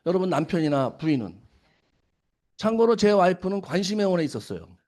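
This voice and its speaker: Middle-aged man, seminar speaker, rapid delivery, higher voice, quizzes the audience. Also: sing-song, darkish tone. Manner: asks the audience questions and answers them himself; acts out quoted scolding lines. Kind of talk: lecture to an audience.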